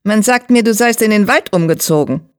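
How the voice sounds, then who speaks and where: A narrator voicing a small black tomcat who leads a clan, cold and mocking, with a high, sharp voice and a faint hiss underneath. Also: animated, normal speed, close to an everyday voice. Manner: mocking, icy. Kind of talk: audiobook character voice.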